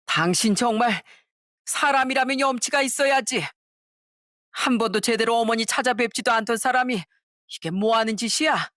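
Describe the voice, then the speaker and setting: A woman's voice: medium pitch, steady tone, a little slow, no room sound, lightly acted. A woman voicing a stern middle-aged father-in-law who scolds his wife, recorded dry.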